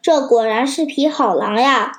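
A woman's voice: a little high, normal speed, natural voice. A young child voicing a trusting male shepherd who speaks earnestly and with feeling. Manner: earnest and emotional.

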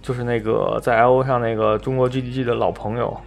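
Fast-talking man in a podcast chat. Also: mid-range voice, little pitch movement, creaky, soft background music. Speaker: podcast co-host. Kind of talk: casual chat.

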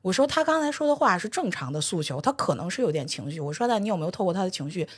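Middle-aged woman guest, husky voice, talks fast, acts out both sides. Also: on the low side, sing-song. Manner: vivid storytelling, acts out dialogue. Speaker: podcast guest. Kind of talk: casual chat.

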